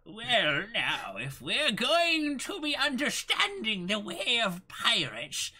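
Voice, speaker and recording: A man voicing a silly, over-the-top, very old manga character with a drawn-out delivery. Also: high voice, huge pitch swings, sharp tone, husky, voice pushed up, heavily acted. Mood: silly, exaggerated.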